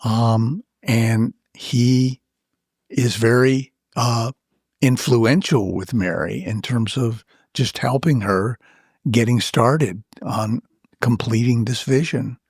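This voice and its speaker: An older man, an author and guest in an interview, telling his story in a reflective, unhurried way with frequent pauses. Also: medium pitch, a little mellow, husky, no room sound, studio quality. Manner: unhurried, thoughtful, with frequent "you know" pauses.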